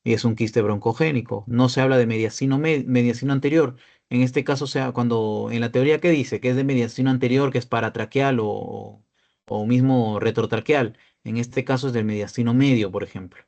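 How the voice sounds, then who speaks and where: A young man delivers a radiology lecture as a peer tutor, walking through image examples step by step. His voice sits at an ordinary pitch with a rough, gravelly texture, and he keeps checking that his students are following. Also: fairly even intonation, fairly quick, darkish tone. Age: young adult. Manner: explanatory, checks in often with "¿ya?" and "¿no?".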